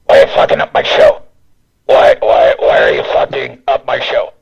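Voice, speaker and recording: A man putting on the voice of an angry intruder who loudly complains and curses, with a gravelly, rough sound. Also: mid-range voice, huge pitch swings, normal speed, highs cut off, voice pushed down, exaggerated voice. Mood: indignant. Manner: loud and cursing. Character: angry man barging in with a gruff voice.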